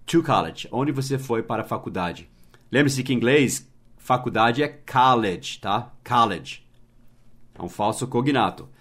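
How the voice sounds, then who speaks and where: A man's voice: mid-range voice, fairly bright tone. A man hosting a casual podcast lesson, patiently explaining and spelling words out letter by letter. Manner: slows down to model English phrases, adds tag questions. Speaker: English teacher and podcast host.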